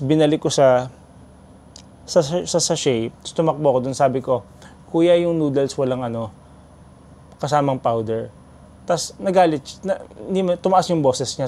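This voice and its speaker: A man tells a personal story in a casual vlog, slipping into English as he goes. His voice sits fairly high but sounds warm and mellow, and his delivery is animated and chatty. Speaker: vlogger.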